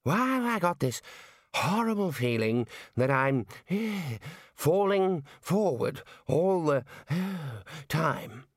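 A man voicing a frail, muddled old wizard with a wheezy, halting, quavering delivery in a fantasy storybook reading. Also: on the high side, big pitch swings, no echo, clean studio sound, pitched above the performer's own voice, exaggerated voice. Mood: muddled, panicky.

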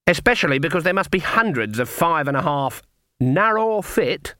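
A man voicing a stubborn, plain-spoken old witch woman in an audiobook, deadpan and rustic. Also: a little high, normal speed, dry recording, studio quality, voice pushed up. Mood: feigned innocence. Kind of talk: audiobook character acting.

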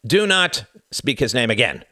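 A cold, bullying gunman snaps out commands and threats in a loud, raised voice, voiced by a man reading a story. His delivery is clipped and commanding. The sound is dry and close. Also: a little high, lively intonation, normal speed, dry recording, pitched above the performer's own voice. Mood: menacing. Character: menacing male gunman, barking orders.

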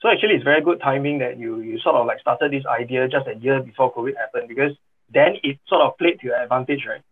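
A man hosting a business podcast, speaking haltingly with many "uh" and "you know". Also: mid-range voice, husky. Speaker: podcast host. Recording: phone-like line with faint music.

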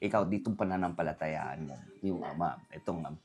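A man telling a story in casual chat, rambling and animated, quoting voices as he goes. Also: sits low, a little fast. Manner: rambling, animated retelling with quoted voices and code-switching.

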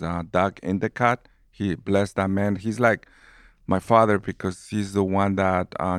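Man, 50s, Guatemalan accent; lively storyteller, dry close sound. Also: sits low, clear, resonant tone, dry recording. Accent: Guatemalan Spanish. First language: Spanish. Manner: warm, animated storyteller who laughs easily. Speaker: movie theater manager. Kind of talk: storytelling in an interview.

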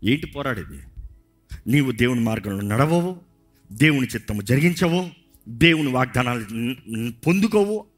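A man's voice: mid-range voice, expressive, moderate pace, long pauses, faint music behind. A man preaching a sermon as pastor, passionate and mixing in English phrases.

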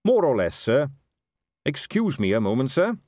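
A man's voice: medium pitch, sing-song, normal speed, a little mellow, no echo, studio quality, voice pushed up. A man voicing an earnest, polite and honest young watch captain in a story, respectful, firm and a little wooden.

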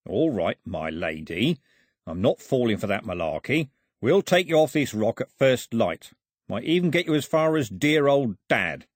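Guy doing a husky mean crook, sarcastic bully, mocking, storybook villain. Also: mid-range voice, big pitch swings, normal speed, no echo, studio quality. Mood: threatening. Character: menacing, sneering male criminal, cunning and mocking.

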